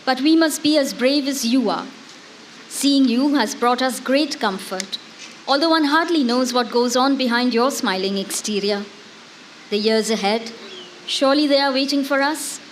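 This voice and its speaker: Woman reading as devoted wife, high voice. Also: lightly acted, low-quality recording. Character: devoted, brave wife and mother writing to her jailed husband. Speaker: dramatic reader. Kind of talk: staged dramatic reading of letters. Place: live literary festival event in a garden. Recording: faint background noise, live festival stage.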